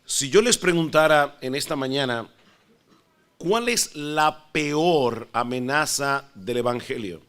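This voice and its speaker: A middle-aged man from the Dominican Republic with a Dominican Spanish accent, preaching a sermon in an earnest, measured way and praying softly. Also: medium pitch. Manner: earnest, measured preaching with soft, hushed prayer. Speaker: pastor.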